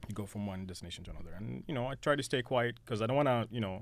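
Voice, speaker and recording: A young man who was raised in the United Arab Emirates tells stories in a casual, halting chat, repeating words as he thinks. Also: mid-range voice, animated, gravelly, a little hiss or hum.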